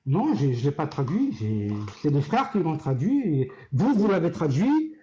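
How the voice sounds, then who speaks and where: A man's voice: fairly high pitch, very animated, normal speed, warm tone, muffled recording, a little hiss or hum. A man calling into a heated live debate, defending himself with stammering restarts. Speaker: caller in an online debate.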